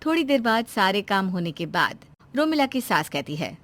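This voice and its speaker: A woman calmly narrating a cartoon family story in a scripted, low-key way. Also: normal speed, no room sound.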